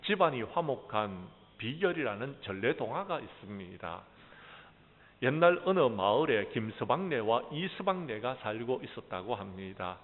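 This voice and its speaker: A man preaches with earnest, lively storytelling and talks straight to his listeners. His pitch rises and falls a lot. The sound is thin and phone-like, and a long reverb hangs in a large hall. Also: normal speed. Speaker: pastor. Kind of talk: sermon with folk-tale storytelling.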